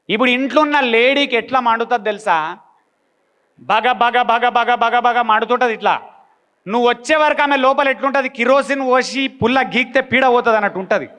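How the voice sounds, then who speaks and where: A man gives a blunt motivational talk, with a high, bright voice. His tone is smooth and clear. He keeps firing rhetorical questions and repeating his lines. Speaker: motivational speaker.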